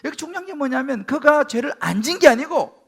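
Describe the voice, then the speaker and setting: A man, the senior pastor, preaching a Sunday sermon in a church sanctuary, swinging between loud exclamations and hushed asides. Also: very high voice, expressive, fairly quick, vocal fry.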